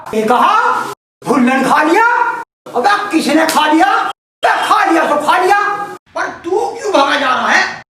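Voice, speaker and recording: An actor playing a deaf, loud old village father from Haryana who mishears everything, in a Haryanvi accent. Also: very high-pitched, lively intonation, a little slow, very echoey, far from the mic, a crowd in the background. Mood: blustering. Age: older. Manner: loud and shouting, chuckling, mishears words.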